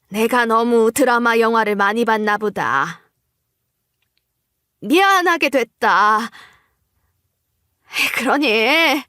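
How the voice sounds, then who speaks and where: A woman's voice: on the high side, fairly bright tone, no room sound, clean studio sound. A woman voicing a scheming older mother-in-law in a story, wheedling and condescending. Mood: grudging apology.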